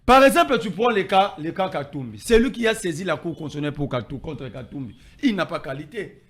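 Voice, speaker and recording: A man's voice: on the high side, animated, quick pace. A man with a Congolese French accent, arguing politics emphatically in a street debate. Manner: emphatic, code-switching, argumentative. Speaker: political commentator.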